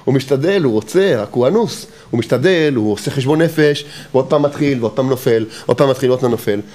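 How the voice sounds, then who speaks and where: A man giving a Hasidic Torah lesson, emphatic and repetitive, with rhetorical questions and touches of humor. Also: mid-range voice. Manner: lively, mixes in humor. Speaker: Torah teacher.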